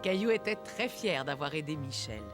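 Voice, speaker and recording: A woman playing a gentle storybook narrator, telling a children's cartoon story in scripted narration. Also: sits low, expressive, moderate pace, music in the background. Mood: pleased.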